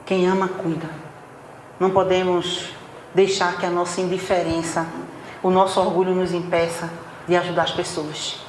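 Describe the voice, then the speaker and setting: A woman giving a spiritual talk at a spiritist center, chatty and animated as she acts out everyday scenes. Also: lowish voice, normal speed. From Northeast Brazil. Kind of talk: spiritual talk to a live audience. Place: meeting hall of a spiritist center. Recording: roomy hall, faint background noise.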